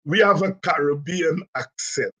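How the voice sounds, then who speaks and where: A middle-aged man from Guyana with a Guyanese accent, hosting a casual political talk in an unhurried, musing way with many fillers and restarts. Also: fairly high pitch, sharp tone, breathy edge, muffled recording. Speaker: host.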